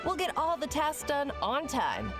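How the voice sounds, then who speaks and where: Gung-ho young trainees. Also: female voice, high voice, huge pitch swings, a little slow, over music, full character voice. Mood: eager. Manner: overeager, chanting. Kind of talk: game voice acting.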